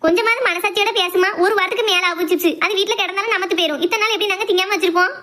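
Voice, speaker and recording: A woman's voice: very high voice, very fast, pushed and bright. A woman voicing a cheeky, pleading cartoon schoolgirl who argues whinily in a Tirunelveli Tamil accent. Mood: whiny, accusing. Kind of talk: homemade cartoon family drama.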